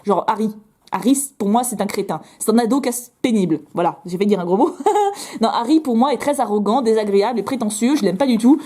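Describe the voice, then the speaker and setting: A woman's voice: mid-range voice, quick pace, warm tone. A young woman chatting casually to camera as she opens her fan mail, bubbly and playful, with lots of little fillers and repeats. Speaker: YouTuber opening fan mail.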